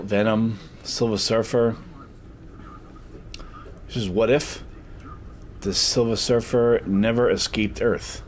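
A man's voice: lowish voice, a little hiss or hum. A middle-aged man, casually narrating a walking vlog through a small comic shop, rambling with lots of filler words. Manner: chatty, rambling, many "uh" fillers, excited when finding books. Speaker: vlogger touring a comic shop. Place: street, then a small comic shop indoors.

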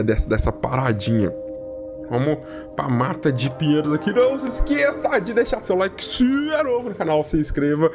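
Chatty man narrating his gameplay. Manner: chatty, repeats "ó" and "galera" constantly; lively and excitable, jumps in pitch when surprised. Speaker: gaming YouTuber. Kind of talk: casual gameplay commentary.

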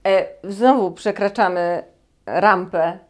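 A woman's voice: medium pitch, takes it slowly. A middle-aged woman hosting an interview, praising her guest effusively and cutting in apologetically, in a small room on a lapel mic. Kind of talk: conversational interview. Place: small cozy room, indoors.

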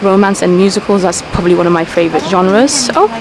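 Animated and quick at medium pitch, a young travel vlogger from a Persian-speaking family chats to camera while filming in a plane's business class cabin. She's enthusiastic and easily impressed, holding the camera at arm's length. The background is noisy, with music under her voice.

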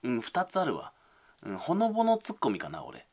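A man's voice: mid-range voice, huge pitch swings, a little fast, darkish tone. A young man, reading viewer comments aloud on a casual livestream and answering them with self-deprecating, mumbled asides.

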